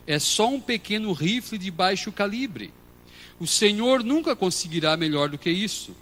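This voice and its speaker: A Brazilian man preaching a sermon as pastor, moving between quiet storytelling and loud shouted passages. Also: sits high. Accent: Brazilian Portuguese. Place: church hall.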